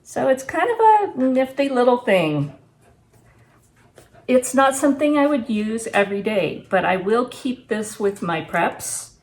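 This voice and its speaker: Slow-talking woman in her sixties. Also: fairly high pitch, very animated, a little mellow. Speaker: homesteading vlogger reviewing gear and giving advice. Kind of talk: casual unscripted talk to camera. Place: home kitchen, indoors.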